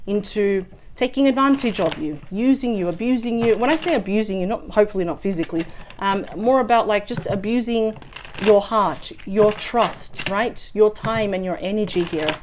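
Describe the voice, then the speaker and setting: A woman with a husky, slightly weak voice as she gets over a sore throat, reading tarot cards. She talks in a chatty way, thinking aloud and often checking in with "right?". Her pitch sits in an ordinary middle range. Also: moderate pace, a little hiss or hum. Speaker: tarot reader. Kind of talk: weekly tarot card reading.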